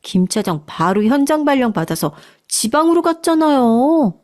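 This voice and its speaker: 여성이 연기하는 체념한 듯 속삭이는 차장 부인. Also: female voice, high voice, very animated, moderate pace, darkish tone. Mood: confiding. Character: weary resigned office worker's wife.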